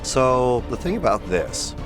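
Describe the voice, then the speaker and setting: Male streamer, dry and casual game commentary, lowish tired, sick-sounding voice, faint music behind. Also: big pitch swings, unhurried. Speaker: streamer and voice actor.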